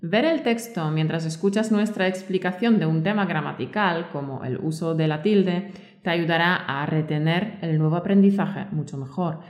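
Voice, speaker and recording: A woman co-hosting a scripted teaching podcast. She reads example sentences in a clear, friendly teaching tone. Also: fairly low pitch, normal speed, a little mellow. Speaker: podcast co-host and Spanish teacher. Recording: roomy echo.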